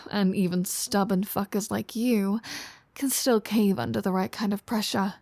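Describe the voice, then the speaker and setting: Woman acting a flirty, slow-talking vampire woman, dry sound. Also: mid-range voice, warm tone, no echo, close to an everyday voice. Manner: teasing, casual, sardonic, with sighs and drawn-out phrasing. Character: flirty, teasing female vampire, sardonic and casually foul-mouthed. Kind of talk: intimate roleplay audio drama addressed to the listener.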